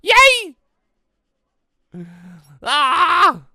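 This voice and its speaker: A British gaming video host giving excitable, exclaiming commentary while playing through a game and reading it aloud. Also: extremely high pitch, extremely slow, no echo, studio quality, faint music behind. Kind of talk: lively playthrough commentary, reading dialogue aloud.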